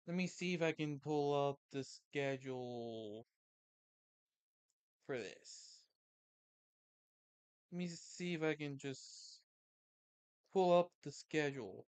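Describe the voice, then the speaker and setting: A man's voice: fairly high pitch, expressive, takes it slowly, long pauses, a little mellow, clear, resonant tone, no echo. A man commentating sports in a casual, rambling stream chat, thinking aloud and repeating himself.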